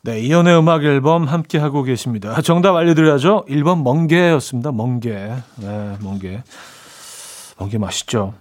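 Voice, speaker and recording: A man's voice: mid-range voice, moderate pace. A man hosting a radio music show, chatting in a friendly way and reading out listener messages. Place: radio studio.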